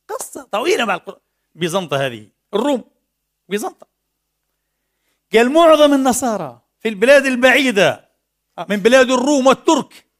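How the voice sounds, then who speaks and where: A man preaching a mosque sermon, animated, firing rhetorical questions and swinging between loud and soft. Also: sits high. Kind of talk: Friday sermon.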